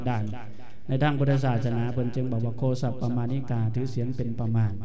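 A man speaks with fairly even intonation over faint background music. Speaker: Buddhist monk preacher. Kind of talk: sermon. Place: hall. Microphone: handheld.

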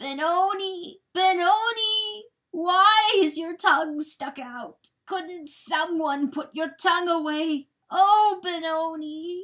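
This is a put-on character voice pitched extremely high. It moves at a very slow pace. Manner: pleading, dazed, grief-stricken.

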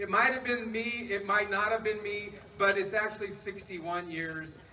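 A man's raised, projected voice with fairly even intonation over light background noise. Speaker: pastor. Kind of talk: sermon. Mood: warm, joking. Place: garden. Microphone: camera far.

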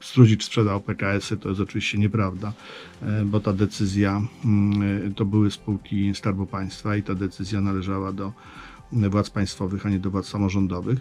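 A man's fairly low voice at a moderate pace, monotone and flat, with faint music in the background. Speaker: radio guest. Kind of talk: interview answer. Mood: calm, explanatory. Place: studio. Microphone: studio mic.

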